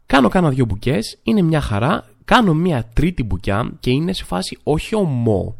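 A man hosting a podcast, telling comic stories in a chatty monologue. He talks with lots of filler phrases and mimics other people's lines. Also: gravelly. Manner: animated, acts out other people's lines with jumps in pitch. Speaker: podcast host.

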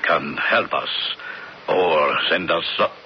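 Solemn native american man in old radio play, real slow, broken english, bit of hiss. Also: deep voice. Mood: solemn awe. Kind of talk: radio drama acting. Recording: muffled, faintly noisy old radio recording.

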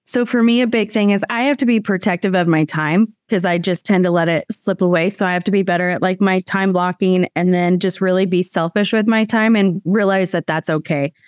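A woman's voice: fairly low pitch, fairly quick, hardly any pauses, no room sound, clean studio sound. A woman taking part in a group coaching session, speaking candidly and a little hesitantly, with fillers. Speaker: group participant. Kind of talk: casual sharing in a group.

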